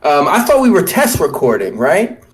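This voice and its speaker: High-voiced male podcast co-host, profane and heated, casual chat. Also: huge pitch swings, moderate pace.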